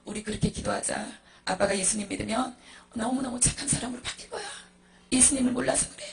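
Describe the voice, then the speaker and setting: A woman voicing a beaten young mother who gently tells her children to forgive their father and pray. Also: fairly high pitch, fast, gravelly. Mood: soothing. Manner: soft, soothing, earnest.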